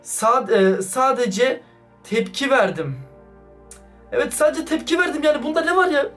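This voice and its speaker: A man doing excited, casual vlog commentary, slangy and talking straight to his viewers. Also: extremely high pitch, normal speed. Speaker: YouTuber reacting to a chat. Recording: distant mic with background music.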